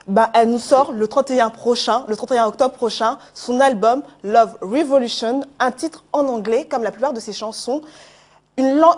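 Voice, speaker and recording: A woman with a fairly high voice presents a music segment on a TV news set. Her delivery is lively and flowing, with the odd filler as she goes. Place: TV studio.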